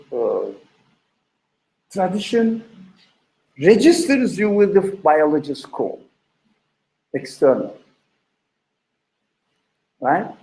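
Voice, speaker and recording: A man's voice: a little high, vocal fry, mellow. A man giving an informal religious lecture in a didactic, conversational way, with examples and rhetorical questions. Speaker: religious teacher leading a class. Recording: echoey room.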